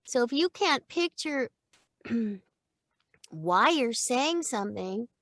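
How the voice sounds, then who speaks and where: A middle-aged woman, a voice-over teacher, chatting in an interview in an animated way, laughing often and acting out example lines. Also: on the high side, takes it slowly, no echo, clean studio sound. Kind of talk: casual interview chat.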